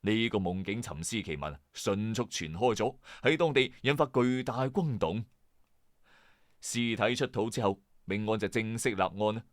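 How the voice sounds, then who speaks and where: A man's voice: fairly low pitch, expressive, normal speed, no echo, studio quality. A man with a Hong Kong Cantonese accent tells a scripted true-crime mystery in a dramatic, suspenseful storyteller's manner, with colloquial asides. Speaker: storyteller and host of a late-night mystery story channel.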